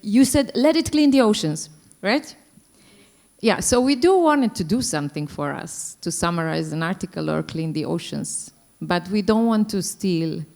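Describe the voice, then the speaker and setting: Lady on a panel, low gravelly voice, lots of uhs, thinking out loud. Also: expressive, normal speed. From Croatia. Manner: thoughtful, hesitant with many fillers. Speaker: panelist, dance company director. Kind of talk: panel discussion remarks.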